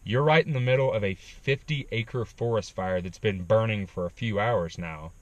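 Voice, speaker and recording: Stern forest ranger guy barking orders, as a man retells it, low voice, dry sound. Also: moderate pace, no room sound, highs cut off, lightly acted. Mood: stern urgent. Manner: urgent, commanding.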